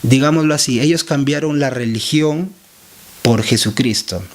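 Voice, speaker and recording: Earnest evangelist, testimony style, halting delivery. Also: male voice, medium pitch. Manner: earnest, halting, with pauses and restarts. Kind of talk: spoken religious testimony.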